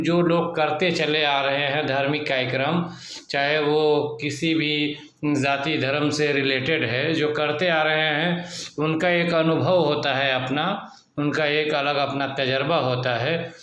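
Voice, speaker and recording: A man giving unscripted news commentary, speaking slowly and measuredly with frequent hesitant fillers. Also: on the high side, a bit bright, reverberant.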